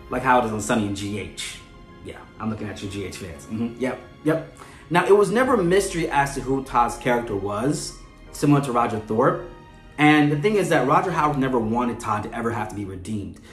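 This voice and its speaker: Male commentator, mid-pitched, conversational and chatty host delivery, recorded with noticeable room echo. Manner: chatty, often ends points with a questioning "right?". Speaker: host of a soap opera fan show. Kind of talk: conversational character analysis commentary. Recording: roomy echo with music underneath. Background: background music.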